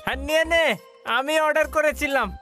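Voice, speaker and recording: A man's voice: extremely high pitch, steady tone. An actor voicing a stingy, freeloading man who breezily leaves his friend to pay for everything, in a dubbed cartoon. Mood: breezy. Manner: fast, breezy, casually dodging payment. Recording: cartoon dub over loud music.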